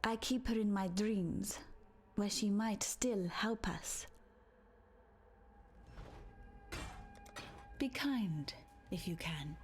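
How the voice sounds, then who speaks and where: A woman playing a solemn tribal seer in a video game, speaking cryptically in a hushed, breathy, husky voice. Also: medium pitch, slow, soft background music, natural voice. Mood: mournful, gentle. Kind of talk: video game dialogue acting.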